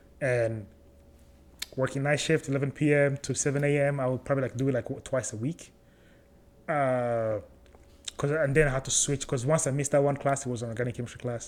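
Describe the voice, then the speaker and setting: Talking at a fairly quick pace yet with long, frequent pauses, a man with a non-native accent speaks in a fairly high pitch and fairly even intonation. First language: not English. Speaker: podcast host. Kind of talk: casual chat.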